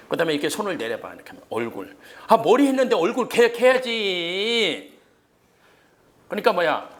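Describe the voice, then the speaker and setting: Guy teaching exam prep history, super animated, pitch jumps all over, keeps going "eh?" at the class, bit of hiss and clicks. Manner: animated, keeps asking the class quick questions; jokey memory tricks, punchy rising "예?" checks. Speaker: history lecturer. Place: lecture room of a cram school.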